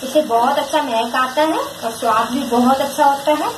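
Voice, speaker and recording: A woman with a high voice explains a recipe step by step at her home stove, speaking patiently and repeating each instruction for her viewers. The kitchen sounds echoey, and the camera mic above the pot picks up a loud, steady hiss behind her voice. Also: moderate pace. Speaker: home cook presenting a recipe. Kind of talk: step-by-step cooking demonstration.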